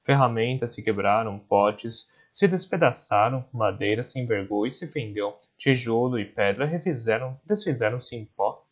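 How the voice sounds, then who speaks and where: A man reads an audiobook chapter as its narrator, telling the story steadily. His voice sits at a middle pitch. The recording is somewhat dull and lo-fi. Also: animated, normal speed, hardly any pauses.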